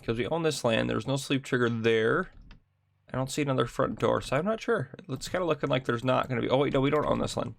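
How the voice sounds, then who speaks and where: Gravelly-voiced man giving a casual game tour. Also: mid-range voice. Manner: chatty, thinks aloud with ums and quick asides. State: gravelly morning voice. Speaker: gaming channel host.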